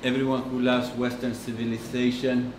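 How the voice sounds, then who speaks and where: Man, Argentine Spanish accent, middle-aged, mid-pitched voice, echoing conference hall, faint background noise. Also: monotone. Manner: measured, with frequent restarts and pauses. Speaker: lecturer. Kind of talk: conference lecture.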